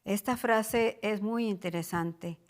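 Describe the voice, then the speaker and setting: Slow, deliberate woman teaching Scripture. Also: mid-range voice. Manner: slow, deliberate, repeats points for emphasis. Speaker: co-pastor teaching a Bible study. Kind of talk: Bible study teaching.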